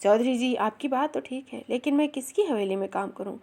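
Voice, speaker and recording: A woman's voice: on the high side, a little fast, warm tone. A woman voicing a poor, weary young village laborer who speaks humbly and earnestly.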